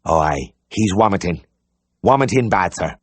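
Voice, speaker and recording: A man voicing a solemn, hard-of-hearing older man with a rich Irish accent who speaks slowly and plainly. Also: low voice, animated, breathy edge, dry recording.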